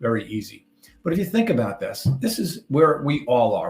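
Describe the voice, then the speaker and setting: A man's voice comes through somewhat breathy. He talks at a moderate pace. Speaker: business founder, conference speaker. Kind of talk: conference talk.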